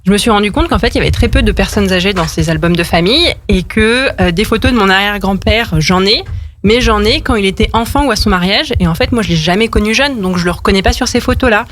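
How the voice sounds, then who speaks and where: Mid-pitched woman radio guest. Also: fast talker, slight background noise. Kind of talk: conversational personal account.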